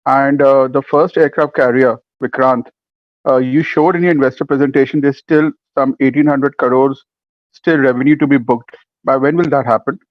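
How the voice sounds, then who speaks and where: A man's voice: medium pitch, steady tone, moderate pace, no room sound. A man calls in as a private investor and asks plain, direct questions. The sound is dry and close. The line audio is dull. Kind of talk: conference call question.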